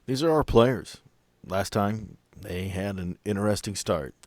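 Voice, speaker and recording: A man with a fairly low voice runs a tabletop game as its master. He describes scenes like a storyteller, improvising as he goes, in a close, dry recording. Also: measured pace, darkish tone, no echo.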